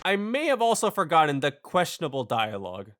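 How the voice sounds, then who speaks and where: Man narrating with very lively, swooping pitch. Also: a little fast, a little hiss or hum. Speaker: video essayist, reviewer. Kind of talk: scripted narration, video essay commentary. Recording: music bed under the voice. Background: background music.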